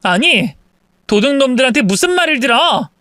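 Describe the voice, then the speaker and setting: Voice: high-pitched, very animated, normal speed, pushed and bright, no echo, voice pushed up, exaggerated voice. A reader voicing an angry young wife who accuses her husband's family of theft, in an indignant tone. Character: angry young wife confronting thieving in-laws.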